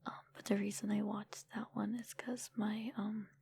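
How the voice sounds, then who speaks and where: A woman chatting casually in a soft, breathy ASMR whisper, informal and rambling, close to the microphone. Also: medium pitch, flat delivery, moderate pace, dry recording. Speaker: ASMR creator and streamer answering viewer comments.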